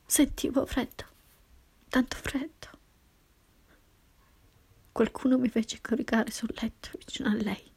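A woman reading a first-person story in a slow, hushed, intimate whisper. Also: fairly high pitch, fairly even intonation, vocal fry, slightly rough. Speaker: narrator.

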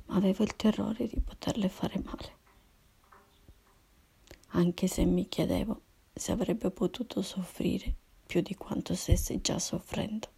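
A woman telling her own story in a hushed, breathy whisper. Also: medium pitch. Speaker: narrator of a personal story. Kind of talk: whispered first-person narration.

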